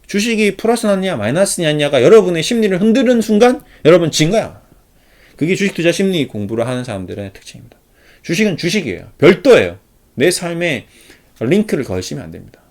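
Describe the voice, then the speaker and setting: Animated man lecturing, lively pitch. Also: brisk. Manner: animated, acts out little scenes with pitch swings. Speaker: stock investing study channel host. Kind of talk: casual spoken lecture.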